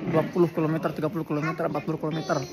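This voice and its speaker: A tired Indonesian man with a fairly high voice talks rapid-fire in a flat delivery, chatting earnestly with soft laughs for a casual vlog. He reports from a crowded outdoor border crossing and later a cafe, with crowd chatter audible behind him.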